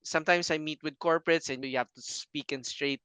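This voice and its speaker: Male guest, slightly high, clean dry voice, earnest explainer. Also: fairly even intonation, a little fast, bright, forceful tone, clean tone, no echo. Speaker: banking guest. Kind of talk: casual interview answers.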